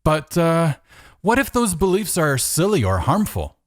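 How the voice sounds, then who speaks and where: A man's voice: on the high side, wildly swooping pitch, measured pace. A man delivering scripted rebuttal commentary as a video host, in a sarcastic manner full of rhetorical questioning.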